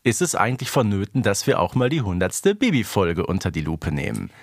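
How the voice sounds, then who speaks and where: A man's voice: on the low side, big pitch swings, fairly quick, no echo, clean studio sound. A man co-hosting a fan podcast in casual chat, explaining details. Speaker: podcast host.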